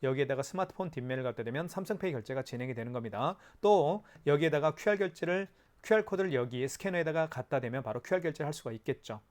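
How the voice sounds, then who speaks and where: A man's voice: a little high, animated, fast talker, hardly any pauses, darkish tone. A man presenting a product in a hands-on tutorial, explaining step by step in an instructive way with rhetorical questions.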